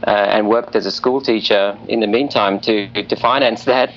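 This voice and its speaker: A man's voice: on the low side, steady tone, normal speed, dull audio, a little hiss or hum. A man, an airline pilot guest, answering interview questions earnestly and with many fillers from a hotel room. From Australia. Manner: earnest, hesitant with frequent fillers.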